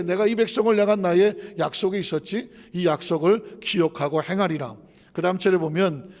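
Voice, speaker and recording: A man preaching a sermon as pastor, with dramatic swings from quiet asides to loud shouted lines. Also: sits high, long reverb tail.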